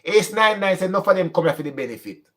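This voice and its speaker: A young man speaks with a strong Jamaican accent in a relaxed vlog monologue. He drifts between standard English and patois as he talks. His voice sits a little higher than most men's. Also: fast. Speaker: channel host.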